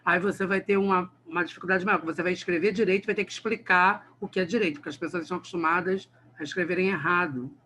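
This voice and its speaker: Carioca guy teaching portuguese grammar online, teasing his students, bright sharp voice. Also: high-pitched, steady tone, quick pace, hardly any pauses, slight background noise. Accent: Carioca Brazilian Portuguese. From Rio de Janeiro. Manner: chatty, teasing, talks straight to the students.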